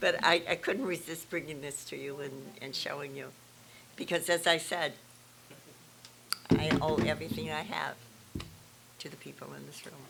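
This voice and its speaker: A woman speaks at a moderate pace with long, frequent pauses. Her loudness swings widely, and background noise is noticeable. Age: 90s. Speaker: guest speaker, local community figure. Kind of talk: club talk with Q&A.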